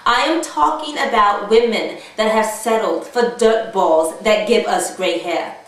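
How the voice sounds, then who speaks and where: A woman's voice: medium pitch, unhurried, lightly acted. Woman playing a brassy talk show hostess, echoey room. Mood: mocking. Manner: theatrical, chatty, mocking. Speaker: talk show host character. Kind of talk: comedy character sketch, mock talk show. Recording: echoey room, distant microphone.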